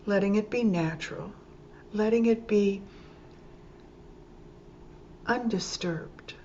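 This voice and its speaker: A woman teaching yoga nidra, leading a guided meditation calmly and gently, in short phrases with pauses between them. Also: medium pitch. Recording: dull lo-fi sound with clear background noise.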